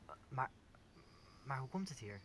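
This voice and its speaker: A man's voice: medium pitch, very animated, measured pace, a little hiss or hum. A young man playing a scheming, impatient villain in an audio drama. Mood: puzzled. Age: young adult. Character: scheming, impatient villain plotting in hushed tones. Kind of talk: Dutch audio drama of Shakespeare.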